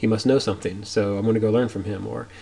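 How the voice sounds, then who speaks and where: Speaking in an Appalachian accent at a very fast pace, a man with fairly low pitch keeps a monotone, flat intonation amid audible room echo. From West Virginia, US. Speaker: astrologer and teacher. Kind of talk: online class lecture. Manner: casual, with many fillers.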